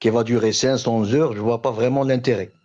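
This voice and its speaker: Music plays in the background. A man speaks at a medium pitch with fairly even intonation. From Algeria. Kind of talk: heated debate about video games.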